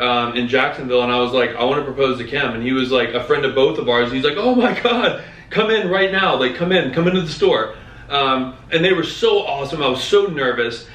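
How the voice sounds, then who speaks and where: A man in his thirties co-hosting a podcast, telling a story in a lively, casual way. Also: mid-range voice, lo-fi sound. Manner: animated, acts out quoted voices. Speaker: podcast co-host. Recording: echoey room, mic at a distance.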